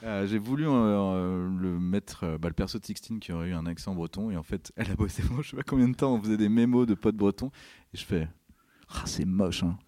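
Low-voiced storyteller, dry close sound. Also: male voice, quick pace, hardly any pauses, no echo. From Brittany. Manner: animated storyteller, acts out quoted people. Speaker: film director, guest. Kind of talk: casual interview chat.

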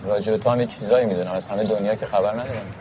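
Actor as low-voiced needling man in a film scene, clear street noise behind. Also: close to an everyday voice. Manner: flat, needling, then defensive. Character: man teasing a grieving woman he knew. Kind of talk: film dialogue.

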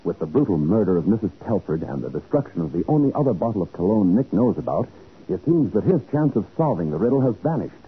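Announcer-narrator, male, scripted 1940s radio style, lively range, thin vintage broadcast sound. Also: lowish voice, fast talker, phone-quality sound, noisy background. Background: music.

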